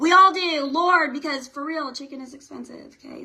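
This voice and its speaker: Using a raised, projected voice, a woman speaks in a bright, sharp tone with lively intonation. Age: 30s. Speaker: network marketing team leader. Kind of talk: live social media coaching stream. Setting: livestream. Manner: animated.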